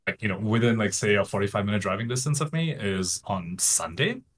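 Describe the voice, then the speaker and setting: A man's voice: fairly low pitch, fast talker. A man in his late twenties from Singapore, chatting casually and loosely as an interview guest on a video call. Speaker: podcast guest, card game player. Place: small home room, indoors.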